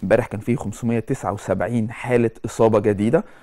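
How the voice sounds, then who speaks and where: In a quiet background, a man talks in a dark, mellow tone. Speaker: TV show host. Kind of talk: televised monologue to viewers. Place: studio.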